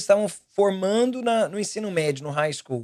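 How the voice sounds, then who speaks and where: A man speaks in an unremarkable speaking voice. His pace is moderate, with ordinary pitch variation. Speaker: pastor. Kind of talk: casual chat.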